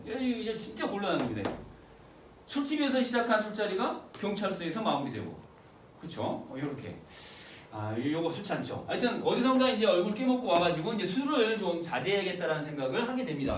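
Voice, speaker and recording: Man, teacher, exam-prep lecture, slangy rhetorical questions, roomy distant sound, faint hiss. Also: high-pitched. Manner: animated, slangy, quizzing students with rhetorical questions.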